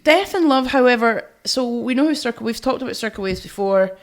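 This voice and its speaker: A woman's voice: on the high side, expressive, a little fast. A woman co-hosting a music podcast, chatting and reviewing in a blunt, teasing way with some swearing. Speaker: podcast co-host.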